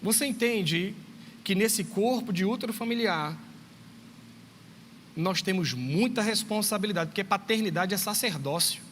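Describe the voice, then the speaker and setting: A man's voice: high voice, unhurried, fairly bright tone, long reverb tail, a little hiss or hum. A man preaching a sermon to a congregation, telling stories, acting out dialogue and speaking directly to his listeners. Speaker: pastor and schoolteacher. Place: church sanctuary.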